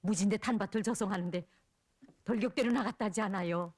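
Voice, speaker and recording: A woman's voice: mid-range voice, fairly quick, a little mellow, no echo, clean studio sound, natural voice. A woman with a North Korean accent acting a fretful middle-aged mother in a film drama, full of exclamations. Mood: anxious, upset. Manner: fretting, exclamatory. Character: fretful middle-aged mother upset about her son.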